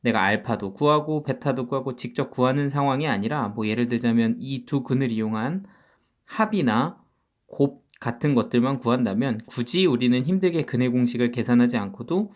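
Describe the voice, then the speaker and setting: A man teaching high school math. He works through each step at a steady pitch, posing questions and answering them himself. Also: a little fast. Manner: explains step by step, often asks and answers himself. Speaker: math tutor. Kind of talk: spoken math lecture.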